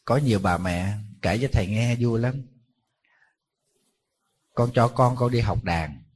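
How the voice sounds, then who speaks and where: Husky monk preaching. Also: male voice, medium pitch, unhurried. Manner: conversational storytelling with rhetorical questions to the audience. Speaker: Buddhist monk giving a dharma talk. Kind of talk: sermon.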